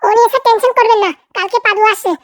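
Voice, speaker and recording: Figure: tiny squeaky cartoon sidekick, extremely high-pitched. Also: fairly even intonation, rapid-fire, no echo, studio quality. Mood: reassuring. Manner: chattering, reassuring, colloquial. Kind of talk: comic cartoon dialogue.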